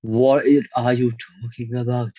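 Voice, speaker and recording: A man's voice: medium pitch, little pitch movement, normal speed, warm tone, no room sound. Opinionated young man, dull dry sound. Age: 20s. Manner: opinionated, acts out quotes, stammers on restarts. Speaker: conversation partner. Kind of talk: casual chat.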